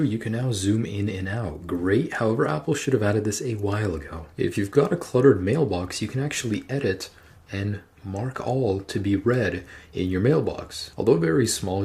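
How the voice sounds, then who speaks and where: A man's voice: lowish voice, vocal fry, darkish tone. A man hosting a tech tutorial, walking step by step through phone settings in an instructional manner. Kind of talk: screen-recorded how-to narration.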